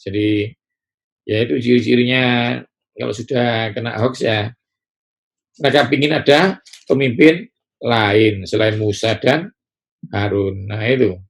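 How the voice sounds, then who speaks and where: A man with a gravelly voice preaches a sermon at a middle pitch. He talks in a lively way and now and then acts out the fretful voices of ordinary people. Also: a little slow, long pauses.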